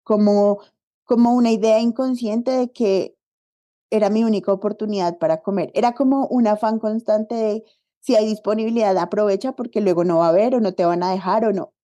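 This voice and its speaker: A woman, a guest on a podcast, telling personal stories in a lively way and acting out past conversations. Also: medium pitch, a little fast. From Colombia. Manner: animated storytelling, acts out quoted dialogue. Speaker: podcast guest, body diversity activist. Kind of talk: casual conversational interview.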